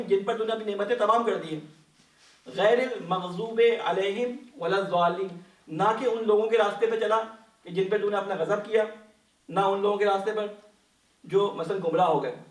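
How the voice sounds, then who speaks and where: A man gives a patient Quran lesson, often asking his class questions. His voice sits high for a man. He is heard some distance in a big echoing mosque hall. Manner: patient, asks the class questions and answers them. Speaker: Quran study teacher. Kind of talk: explanatory religious lesson. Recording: echoey hall, voice from off-mic.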